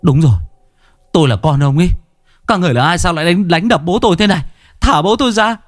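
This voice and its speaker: A man's voice: high voice, fast talker, dry recording, studio quality, pitched above the performer's own voice. A male storyteller voicing a middle-aged son who pleads tearfully for his father. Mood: anguished. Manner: crying, tearful. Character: desperate grown son, anguished and pleading.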